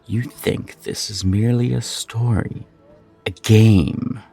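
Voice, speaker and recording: An actor playing a sneering, scheming sorcerer in a fantasy audio drama, haughty and drawling, with a gravelly, husky voice. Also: male voice, fairly low pitch, steady tone, takes it slowly, mellow, soft background music, exaggerated voice. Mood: indignant.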